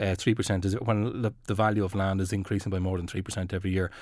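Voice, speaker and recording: In a very clean recording with a silent background, a man talks very fast at a fairly low pitch. His Irish accent carries fairly even intonation. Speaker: housing economics lecturer. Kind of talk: radio interview. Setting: radio studio.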